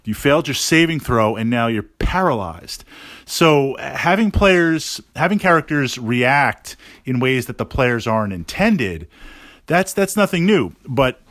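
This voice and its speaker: A man giving a casual podcast monologue as a gaming host, thinking aloud haltingly and repeating words for emphasis. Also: medium pitch, fairly bright tone, no room sound.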